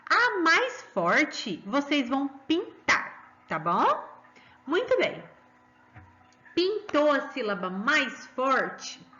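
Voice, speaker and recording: A woman's voice: sits high, huge pitch swings, very slow, bright, forceful tone, dull audio. A woman with a Brazilian Portuguese accent teaching a children's lesson, sing-song and coaxing, drawing out stressed syllables.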